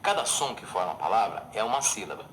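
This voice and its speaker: A man's voice: lowish voice, big pitch swings, quick pace, slight background noise. A man with a Brazilian accent giving scripted educational narration in a didactic way. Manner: didactic, clear examples. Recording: voice-over over loud music.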